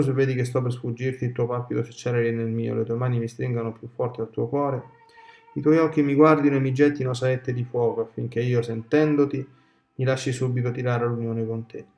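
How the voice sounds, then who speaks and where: A man reads devotional prayers, slow, soft and reverent. His voice is dark and gravelly. The sound is echoey, with faint music in the background. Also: medium pitch. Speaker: devotional reader.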